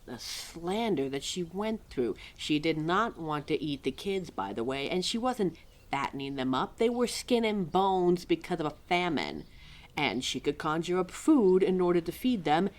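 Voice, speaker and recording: A woman's voice: fairly low pitch, animated, normal speed, natural voice. A woman playing an exasperated, opinionated keeper of forgotten lore in an ad-libbed audio roleplay, chatty and sarcastic as she talks straight to the listener. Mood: defensive, sympathetic. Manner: sarcastic, chatty, heavy sighs and mimicked quotes.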